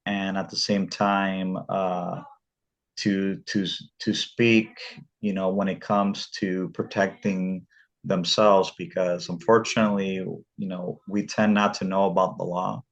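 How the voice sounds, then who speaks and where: A man with a very low, deep voice hosts a casual interview, stumbling and repeating words as he goes. The recording sounds dull and lo-fi. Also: flat delivery. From Southern California. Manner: halting, repeats words often. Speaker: podcast host.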